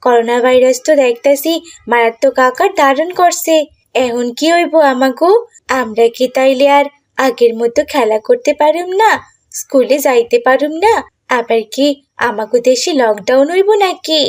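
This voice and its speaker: A woman voicing an excitable village child in a cartoon, exclaiming and questioning with a Bangladeshi accent. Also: high voice, moderate pace, close to an everyday voice. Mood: alarmed. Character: excitable, alarmed village child playing football. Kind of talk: cartoon character acting.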